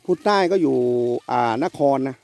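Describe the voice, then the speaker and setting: A middle-aged man hosting a casual farm vlog outdoors in a chili field, chatting, tagging phrases with polite particles and drifting into moral lecturing. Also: normal speed. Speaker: farm video host and chili seed promoter.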